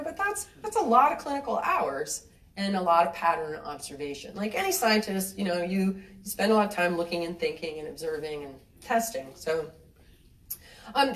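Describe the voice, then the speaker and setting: A woman giving a live talk to an audience, chatty and animated, acting out little quoted exchanges and laughing lightly as she talks. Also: medium pitch. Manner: laughs lightly mid-sentence. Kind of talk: live lecture with audience questions. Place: cinema venue with an audience. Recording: roomy hall sound from a distant mic.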